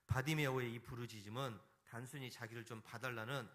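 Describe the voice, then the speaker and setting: Bright-voiced man preaching a sermon. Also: medium pitch, fairly even intonation, fairly quick. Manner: emphatic, acts out the crowd's and the beggar's lines. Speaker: pastor. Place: church sanctuary.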